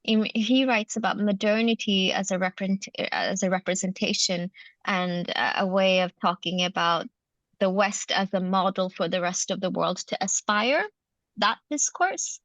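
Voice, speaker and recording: A woman, a guest anthropologist giving thoughtful academic answers in an interview, pausing often with many hesitations. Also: medium pitch, fairly bright tone, no echo. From Sweden. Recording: dull muffled sound.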